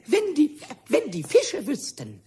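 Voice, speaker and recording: A man voicing a small, cheeky kobold in a children's audio play, squeaky and stammering excitedly over his words. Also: takes it slowly, heavily acted. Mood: indignant, excited. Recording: faint noise of old vinyl record.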